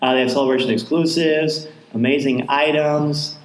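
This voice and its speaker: A man's voice: mid-range voice, fairly even intonation, moderate pace. A man hosting a live podcast on a convention stage, emceeing a raffle in an upbeat way. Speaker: podcast host. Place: large convention hall stage with live audience. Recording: echoey convention hall, loud background noise.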